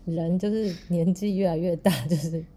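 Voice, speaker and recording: A woman with a Taiwanese Mandarin accent, co-hosting a podcast and telling a story in a casual, animated way. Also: fairly low pitch, moderate pace. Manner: animated, laughs through her story. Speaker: podcast co-host.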